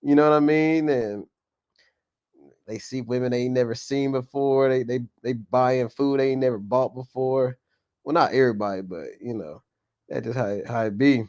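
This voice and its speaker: A man's voice: medium pitch, moderate pace, a little mellow, smooth. A man in casual podcast chat, laid-back and agreeable, speaking loosely with slang. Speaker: podcast panelist.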